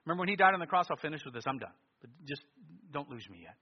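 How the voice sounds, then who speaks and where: A man preaching a sermon with passion, swinging between loud declarations and hushed, intense tones, his voice a little husky. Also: fairly high pitch, big pitch swings, rapid-fire. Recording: dull lo-fi sound with long hall reverb.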